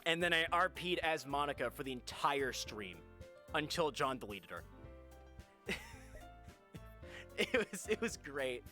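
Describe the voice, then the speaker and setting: A man's voice: a little high, expressive, measured pace, long pauses, sharp tone, faint music behind. A young adult man chatting casually as he live streams a game.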